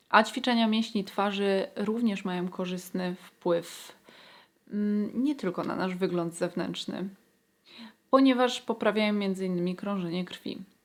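Pitched at a medium level for a woman, her voice moves at a very slow pace with ordinary pitch variation. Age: 30s. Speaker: beauty vlogger. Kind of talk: tutorial.

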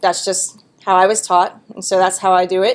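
The woman's pace is moderate. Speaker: course instructor. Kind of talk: lecture. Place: classroom.

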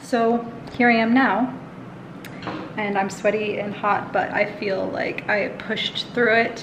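Noticeable background noise sits under the recording. A woman speaks with fairly even intonation. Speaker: travel vlogger. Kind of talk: casual vlog chat. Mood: reflective, a bit emotional. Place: home room. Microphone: phone near.

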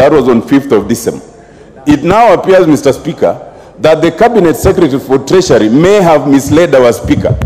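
Talking fairly quickly in a Kenyan accent, a man uses a fairly high pitch and lively intonation. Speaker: member of parliament. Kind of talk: parliamentary oratory, formal point of order. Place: hall. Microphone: podium.

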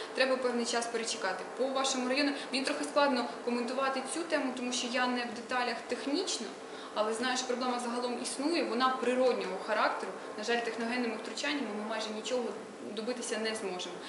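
A woman talks very fast at a high pitch with fairly even intonation. Noticeable background noise and audible room echo surround her voice. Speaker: deputy environment minister. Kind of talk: live Q&A with callers. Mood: calm, explanatory. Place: meeting room.

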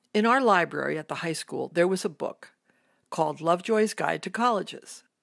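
The voice carries an American accent and vocal fry, with ordinary pitch variation, on a very clean recording with a silent background. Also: woman. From US Northeast (New Jersey). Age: 70s. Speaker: filmmaker and commencement speaker. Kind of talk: commencement speech.

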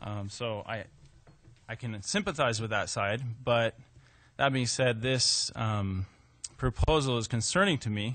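Against a quiet background, a man with an American accent talks at a fairly slow pace with ordinary pitch variation and long, frequent pauses. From Moscow, Idaho, US; Idaho. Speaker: resident giving public comment. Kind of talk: public comment at city council meeting. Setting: city council meeting. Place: hall. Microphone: podium.

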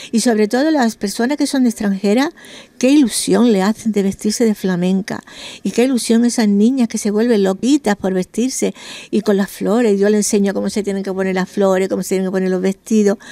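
Fairly quick and at medium pitch, a woman's dark, mellow voice shows ordinary pitch variation in a dry sound with no echo. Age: 70s. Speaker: flamenca fashion boutique owner. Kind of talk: interview; interview answer. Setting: boutique. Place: shop. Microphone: handheld.

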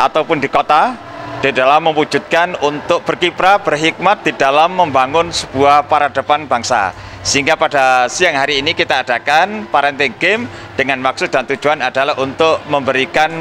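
A man speaks at a moderate pace with ordinary pitch variation and very even loudness. There is light background noise. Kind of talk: interview answer. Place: hall. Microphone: handheld.

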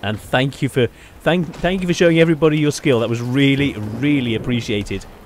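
A man speaks at a medium pitch with a British accent. Noticeable background noise sits behind him. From Britain. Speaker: gaming YouTuber. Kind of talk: gameplay commentary.

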